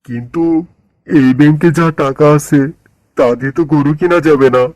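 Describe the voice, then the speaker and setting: Man voicing a high-pitched earnest village farmer. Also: normal speed, a little mellow, no echo, close to an everyday voice. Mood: worried. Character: poor earnest village dairy farmer, husband and father. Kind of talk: Bengali cartoon story dialogue.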